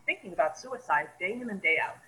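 A woman's voice: on the low side, lively intonation, fast talker, bright, forceful tone, low-quality recording. A young American woman telling her personal story in a casual, rambling and reflective way. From United States. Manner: rambling, reflective, many "you know" fillers.

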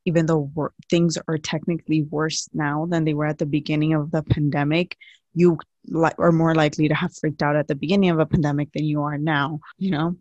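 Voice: mid-range voice, flat delivery, brisk, darkish tone, no echo. A young adult podcast co-host in casual, earnest chat who peppers nearly every phrase with "like". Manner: chatty, earnest, fills speech with "like". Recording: dull, dry lo-fi sound.

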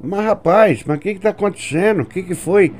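A man's voice: sits high, animated, brisk, darkish tone, a little hiss or hum, voice pushed up. A man voicing a blunt older rural landowner who keeps pressing with raised, urging questions.

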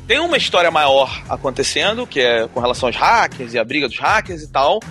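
A man's voice: fairly high pitch, very animated, fairly quick, pushed and bright, soft background music. A man from Brazil co-hosting a casual podcast, earnest and argumentative, often repeating words as he starts. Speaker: podcast co-host. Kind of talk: casual chat.

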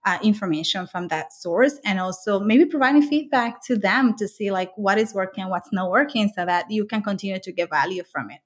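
Woman, middle-aged, from the Dominican Republic, earnest, halting, fillers and restarts, mid pitch, interview guest. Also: animated. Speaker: author and interviewee. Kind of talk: conversational interview.

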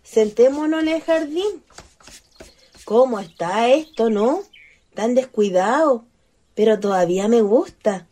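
A woman's voice: fairly high pitch, lively intonation, takes it slowly, pauses often, dark tone. A woman acting a guileless, eager Chilean country ghost in a radio play. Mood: wistful.

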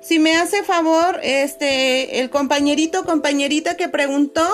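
A woman teacher, talking patiently to her pupils on a video call and filling pauses with "este". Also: high voice, fairly even intonation, soft background music. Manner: patient, many fillers, calls pupils "chicos" and "corazones". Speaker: schoolteacher. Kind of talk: online class video call.

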